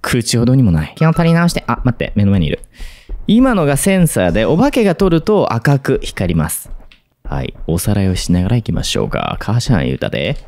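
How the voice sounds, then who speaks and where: A man's voice: medium pitch, wildly swooping pitch, fairly quick, darkish tone. A man commenting on a horror game as he plays, muttering to himself and breaking into sudden yelps. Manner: jumpy, talks to himself, sudden yelps and laughs. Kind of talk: let's play commentary.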